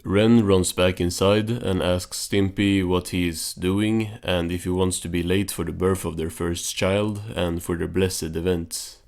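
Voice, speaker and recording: A man's voice: low-pitched, fairly even intonation, unhurried, few pauses, a little mellow. A man recapping a cartoon as host, in a casual, understated, offhand way.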